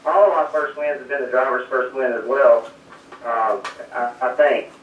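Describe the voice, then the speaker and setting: A man's voice: medium pitch, steady tone, moderate pace, a little hiss or hum. Man, 30s, calling in remotely, phone line breaking up, echoey distant sound, modest easygoing tone. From South Carolina, USA. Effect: calling in remotely over a phone line that breaks up and fades. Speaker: guest, race crew chief. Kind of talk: casual interview answers. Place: at home.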